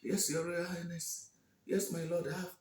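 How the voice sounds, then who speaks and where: A man voicing a meek young woman who answers quietly, in a roomy space away from the mic. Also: on the high side, little pitch movement, moderate pace, distant mic, lightly acted. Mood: humble. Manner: quiet, subdued. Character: meek sad young woman hiding her hands.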